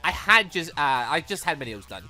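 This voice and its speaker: An excitable gaming YouTuber reading a visual novel aloud and commenting on it in an animated, exclaiming manner. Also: medium pitch, moderate pace. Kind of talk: let's play commentary mixed with reading dialogue aloud. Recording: music behind the voice. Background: video game music.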